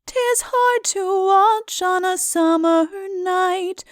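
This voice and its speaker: A woman playing a sweet-voiced singer of sad old ballads, singing slowly with a mournful lilt in an audiobook. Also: very high voice, no room sound, clean studio sound, soft background music, full character voice. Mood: sorrowful. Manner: mournful, drawn-out lilting delivery. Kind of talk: slow sung ballad.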